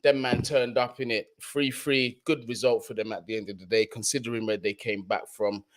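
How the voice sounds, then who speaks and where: This football channel host is a young man from London, England, whose London accent comes through as he chats casually and slangily on a live stream, repeating himself often. He speaks in a steady mid-range voice at normal speed.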